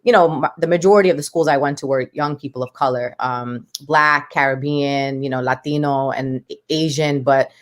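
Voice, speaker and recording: A woman's voice: extremely low pitch, steady tone, moderate pace, hardly any pauses. A woman, speaking as a guest in an interview, talking with passion and emphasis. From United States. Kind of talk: podcast interview.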